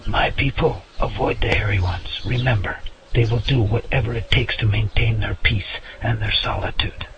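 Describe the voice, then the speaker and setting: An actor playing a solemn Native American man, a spiritual guardian who speaks in formal, measured phrases in an audio drama. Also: lowish voice, fairly even intonation, vocal fry, muffled recording, background noise. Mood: solemn warning.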